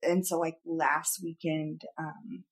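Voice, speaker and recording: A woman's voice: low-pitched, flat delivery, slow. A woman in her thirties talking through a personal worry in casual podcast chat, earnest and rambling, with many fillers and restarts. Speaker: podcast co-host. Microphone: studio podcast mic.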